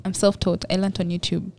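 A woman's voice: mid-range voice, little pitch movement, normal speed, creaky, darkish tone. A young Ugandan woman with a Ugandan accent, speaking modestly and reflectively as a podcast guest. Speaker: guest, makeup entrepreneur. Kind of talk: casual podcast interview.

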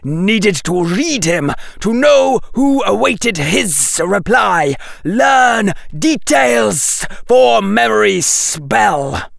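A man putting on a haughty hissing snake with cut-short commanding phrases, raised higher than his narrating voice and drawn out very slowly. A dry, close reading with a gravelly edge. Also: big pitch swings, fairly bright tone, no room sound, full character voice. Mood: scornful. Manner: clipped hissing commands, dropped small words. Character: cold imperious hissing snake, male teacher. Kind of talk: audiobook character voice.

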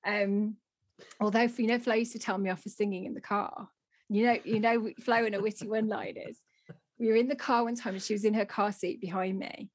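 A woman in her thirties with a Black Country accent, co-hosting a podcast and telling stories in a chatty, animated, self-mocking way. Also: medium pitch, brisk, no echo, studio quality. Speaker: podcast co-host. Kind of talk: casual chat.

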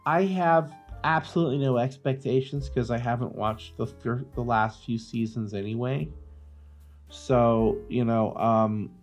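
A man's voice: medium pitch, unhurried, soft background music. A man hosting a podcast in casual chat, opinionated and slangy, swearing freely. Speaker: podcast host.

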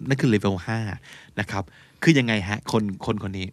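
A man's voice: lowish voice, moderate pace, no echo. Man explaining casually, dry sound. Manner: explains terms, mixes English words into Thai. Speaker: podcast co-host explaining English levels.

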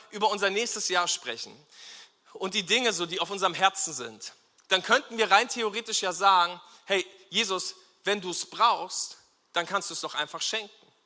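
A man preaching a lively sermon to a congregation, acting out short quoted exchanges and asking the audience to repeat words. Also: high voice, long reverb tail. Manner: acts out Jesus and bystanders in quick quoted asides. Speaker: pastor.

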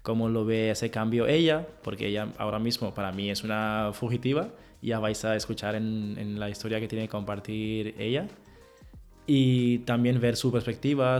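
Man hosting a podcast, halting Spanish phrasing. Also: fairly low pitch, creaky. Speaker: podcast host interviewing a guest. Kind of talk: conversational podcast interview.

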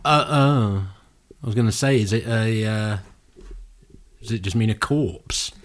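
A man chatting casually as a podcast co-host, playful and quick to laugh. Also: on the low side. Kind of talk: casual chat.

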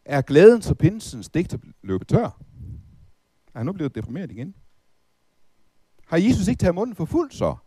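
A middle-aged man preaching with a mellow, warm tone and a lively, swinging pitch. He asks the listeners one rhetorical question after another. The recording is dry and close, with no room sound. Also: long pauses, husky, dry recording. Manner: lively, rhetorical questions, recites hymn verses. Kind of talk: Bible teaching talk.

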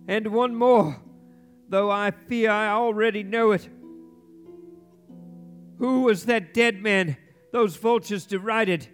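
An actor playing a frightened, repentant old miser in a live radio play, declaiming and pleading with theatrical weight. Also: male voice, sits high, a bit bright. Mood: anxious pleading. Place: theatre stage, live before an audience. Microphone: shared stage microphone.

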